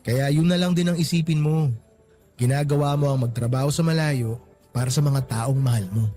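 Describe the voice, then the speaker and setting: A man's voice: fairly high pitch, fairly even intonation, a little fast, music in the background, lightly acted. A man playing a casual, caring young coworker in a radio drama, talking in a soothing, everyday way. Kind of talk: Tagalog radio drama acting.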